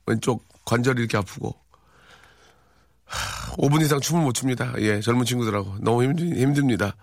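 A man in his forties hosting a live radio show, reading listener messages with dry, teasing deadpan humor. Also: medium pitch, quick pace, no echo. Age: 40s. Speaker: radio host. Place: radio studio. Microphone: studio microphone.

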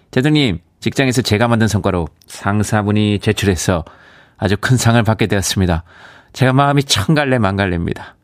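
A man's voice: on the low side, no room sound, clean studio sound. A man with a Daegu-Gyeongbuk accent hosting a radio show, casually chatting and reading out listener messages with easy laughs. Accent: Daegu-Gyeongbuk dialect. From Yeongcheon, South Korea. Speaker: radio host. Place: radio studio. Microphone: studio microphone.

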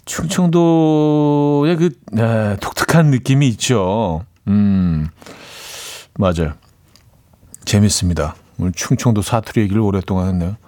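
A man's voice: lowish voice, measured pace, mellow. A man hosting a radio music show, chatting casually, reading listener messages aloud and laughing often. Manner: chatty, laughs often, mimics dialect playfully. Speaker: radio DJ host. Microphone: studio microphone.

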